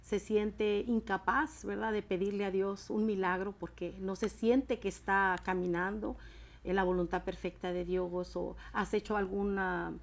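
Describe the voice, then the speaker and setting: A woman preaching on a Christian TV program, building to loud, emphatic pleas. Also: mid-range voice, fairly even intonation, measured pace, gravelly. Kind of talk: impassioned sermon.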